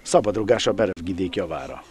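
A man giving live football commentary in an excited, exclamatory manner, with drawn-out cries and a gravelly voice. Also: low-pitched, a faint crowd. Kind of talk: live bilingual sports commentary.

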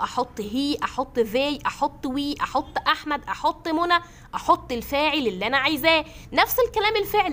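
A woman with an Egyptian accent teaching a classroom grammar lesson, patiently repeating examples slowly. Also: high voice, fairly bright tone. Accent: Egyptian Arabic.

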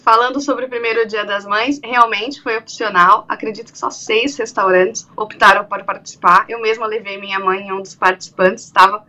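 A woman's voice: medium pitch, moderate pace, few pauses. A woman in her thirties, an event organizer, speaking animatedly on a video call during an interview. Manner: animated, acts out quoted dialogue. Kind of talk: remote interview on radio-TV news show. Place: small room indoors. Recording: dull lo-fi video call audio.

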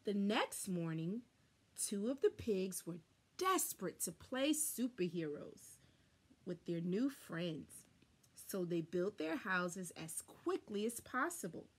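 A young adult woman reading a children's story aloud expressively, with deliberate, dramatic emphasis, recorded indoors on a camera a short distance away. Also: mid-range voice, very animated, slightly rough. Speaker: storybook reader. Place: small furnished room indoors.

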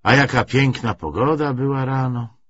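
A man reading aloud the part of a good-natured but evasive young man, halting and musing as he talks. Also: medium pitch, a bit bright, slightly rough, muffled recording, pitched above the performer's own voice. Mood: evasive, thoughtful.

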